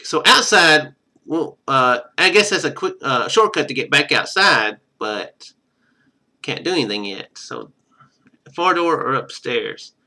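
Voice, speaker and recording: A man's voice: medium pitch, lively intonation, unhurried, bright, forceful tone. A man streaming a game, reading its text aloud and thinking through it in casual commentary. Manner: thinks aloud while playing.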